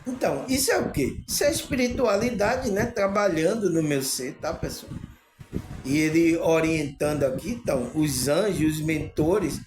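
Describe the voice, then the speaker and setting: A man's voice: a little high, moderate pace. A man giving an informal spiritual talk to his viewers, rambling and often checking in with the audience through tag questions. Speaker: spiritual channel host. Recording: echoey room with faint ambient noise.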